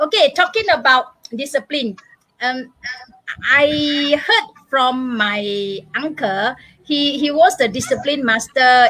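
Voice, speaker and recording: A woman speaks at a very slow pace in a high, raised, projected voice. Her intonation is lively. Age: 60s. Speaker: online talk show co-host. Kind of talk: casual chat.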